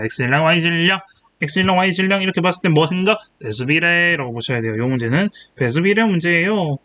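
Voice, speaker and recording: A man's voice: a little high, fairly bright tone. A young man in his twenties tutoring chemistry, walking through exam problems and thinking aloud as he writes, checking in with rhetorical questions and correcting himself. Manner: self-correcting, thinking aloud while writing. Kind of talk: exam problem walkthrough lecture. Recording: faint hiss.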